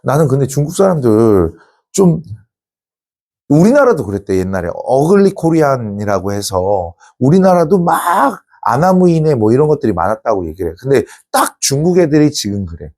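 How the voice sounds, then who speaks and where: Lively, chatty man lecturing a class. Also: medium pitch, normal speed. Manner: chatty, teasing asides to students; lively, informal. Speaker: teacher.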